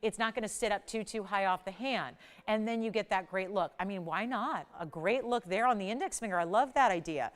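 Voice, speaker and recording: Speaking fairly quickly with hardly any pauses, a forties-aged woman hosts a live TV jewelry sales show. Her pitch is enthusiastic and emphatic, repeatedly circling back to the same selling points.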